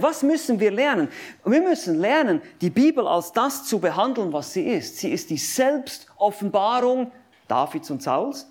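Male preacher, animated pitch, emphatic sermon delivery with rhetorical questions and lists. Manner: addresses listeners directly.

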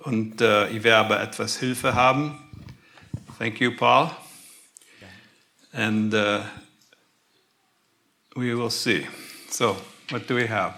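A man with an American accent giving a personal faith testimony, halting and searching for words, sometimes slipping into English. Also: fairly low pitch, fairly even intonation, sharp tone. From grew up in the USA. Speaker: guest speaker.

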